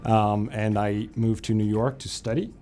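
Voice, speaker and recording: Man from France, mellow voice, relaxed interview talk, faint background music. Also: fairly low pitch, measured pace. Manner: relaxed, with frequent fillers and restarts. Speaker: financial advisor. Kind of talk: company profile interview.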